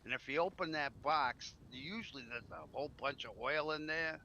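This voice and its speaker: Very bright-voiced man in game chat. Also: fairly high pitch, moderate pace, lo-fi sound, a little hiss or hum. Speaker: roleplay gamer playing a trader. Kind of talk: improvised in-character casual chat.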